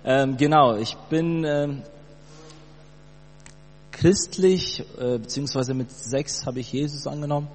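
A Brazilian-born man in his late twenties giving a fervent church testimony, halting often with fillers. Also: medium pitch, darkish tone. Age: 20s. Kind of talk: sermon testimony. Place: church hall. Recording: long hall reverb, mains hum.

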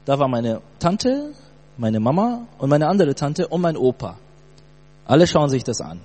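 A man in his late twenties from Brazil, telling his personal faith story in a casual, animated way with youth slang. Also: fairly high pitch, measured pace. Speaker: church testimony speaker. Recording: long hall reverb with mains hum.

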